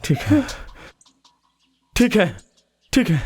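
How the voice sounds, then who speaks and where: Sneering, ruthless accomplice. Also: male voice, high voice, sing-song, very slow, a little mellow, slightly rough, heavily acted. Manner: sneering, taunting. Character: mocking, ruthless male accomplice. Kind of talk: dubbed film acting.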